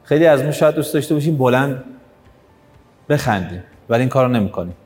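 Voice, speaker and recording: A man's voice: medium pitch, animated, darkish tone. Guy running a workshop in a big echoey hall, pushy and encouraging, music in the back. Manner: direct, coaxing, urges the audience on. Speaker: workshop trainer. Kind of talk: live workshop teaching. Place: hall with an audience.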